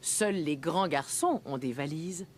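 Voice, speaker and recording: A woman narrating a scripted children's story in an expressive storytelling manner. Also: low voice, measured pace, slight background noise.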